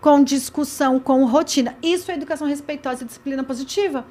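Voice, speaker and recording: A woman's voice: sits high, quick pace, a little mellow. A woman hosting a podcast, talking emphatically and listing her points one by one. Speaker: podcast host. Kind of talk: casual podcast conversation.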